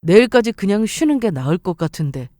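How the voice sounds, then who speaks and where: Female narrator as considerate young boyfriend, story-radio dialogue, soft dark tone, matter-of-fact. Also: medium pitch, big pitch swings, brisk, dry recording, studio quality, lightly acted. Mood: apologetic. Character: considerate, practical young man, the narrator's fiancé.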